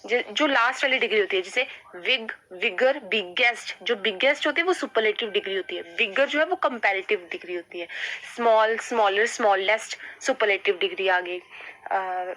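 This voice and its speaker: A woman's voice: mid-range voice, brisk, a bit bright, poor audio. A woman teaching an English grammar lesson in Hindi. She keeps asking questions and answering them herself, and says "ठीक है" often. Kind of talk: classroom-style grammar lesson.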